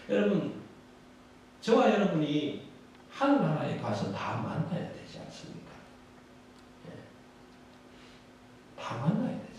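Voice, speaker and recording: A male Korean pastor preaching a sermon in an emphatic, rousing way with dramatic pauses, in a large church sanctuary. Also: on the high side, mellow, slight background noise. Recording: echoey hall from far off.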